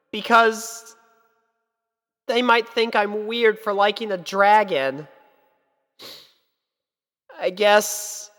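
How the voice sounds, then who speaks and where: A woman's voice: mid-range voice, fairly bright tone, big-room sound, pitched above the performer's own voice. A woman voicing an anxious, lovestruck young pony filly, speaking in an earnest, hesitant and emotional way. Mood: downcast.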